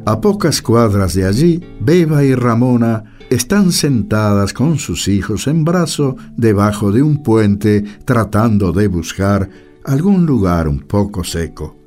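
Low-voiced Argentine man narrating radio drama. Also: sing-song, takes it slowly, a little mellow, soft background music.

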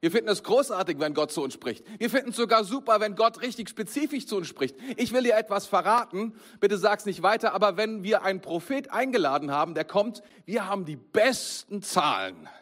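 A man delivers a sermon with a fairly high voice. He speaks in a lively, conversational way and keeps turning straight to his listeners. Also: fairly quick, hardly any pauses. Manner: lively, conversational, addresses the congregation directly. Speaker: preacher.

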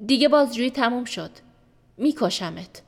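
A woman voicing a spiteful, bad-tempered prison interrogator who talks in a harsh, loud and threatening way. She keeps her own mid-range voice. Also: mid-range voice, lightly acted. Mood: furious.

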